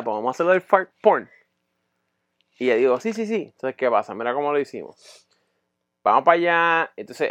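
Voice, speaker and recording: A man telling a crude story in a podcast chat, profane and animated, acting out voices and sounds. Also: fairly high pitch, no room sound, highs cut off.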